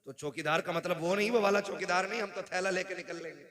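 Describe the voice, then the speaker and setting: A man's voice: high voice, quick pace, fairly bright tone. A man preaching at a religious gathering, joking with the crowd and leading their responses, then chanting a long lineage. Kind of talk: sermon with crowd call-and-response. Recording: crowd noise from a live gathering.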